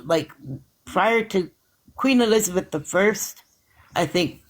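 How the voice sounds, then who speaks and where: A man's voice: high-pitched, slow pace, rough recording. A man in casual chat, rambling through explanations with frequent restarts and hedges.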